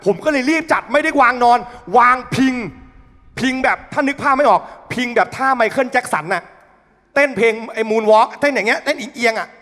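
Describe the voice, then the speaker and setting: A young man doing stand-up, telling an animated, profane story full of sound effects. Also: very high voice, fairly quick. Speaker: comedian. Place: studio stage. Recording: long reverb in a studio hall.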